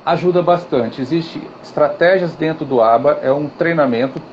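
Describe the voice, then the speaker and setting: A man's voice: fairly high pitch, moderate pace. A man, a guest teacher in a live interview, talking casually and acting out gestures and quotes as he tells stories. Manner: animated storytelling with gestures and acted quotes. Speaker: guest, swimming and physical education teacher. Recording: dull, slightly noisy audio.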